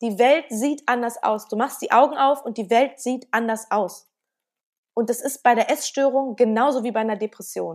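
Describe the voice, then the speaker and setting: Her high voice moves at a moderate pace, its pitch varying in an ordinary way. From Berlin. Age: 20s. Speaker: film director. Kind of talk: casual interview. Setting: remote recording. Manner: gets loud when passionate.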